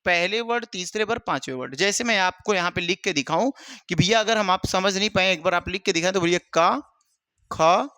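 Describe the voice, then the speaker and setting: Guy teacher, pretty high voice, keeps asking then answering himself, dry close sound. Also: fast talker, sharp tone, clean tone, no room sound. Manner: repetitive, asks and answers his own questions, calls students brother. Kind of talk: exam-prep lesson.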